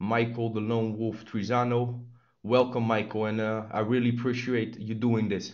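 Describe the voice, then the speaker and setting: A man with a Dutch accent, medium in pitch, with monotone, flat intonation and audible room echo. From Eritrean background. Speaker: podcast host. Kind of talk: interview. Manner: halting.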